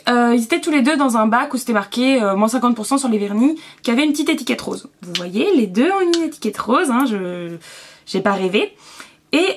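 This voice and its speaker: A young woman chatting casually through a beauty haul, with lots of fillers and quick asides. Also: on the high side, slight background noise. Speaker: beauty vlogger.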